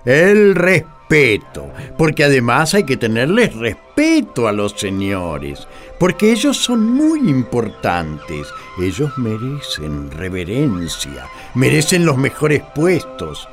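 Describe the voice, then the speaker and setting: A man acts out an indignant prophet in a religious radio play. His delivery is very slow and declamatory, with wide swings in pitch and biting sarcasm. Faint music sits behind him. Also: wildly swooping pitch, heavily acted. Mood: bitterly sarcastic. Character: indignant prophet denouncing corrupt priests at a banquet.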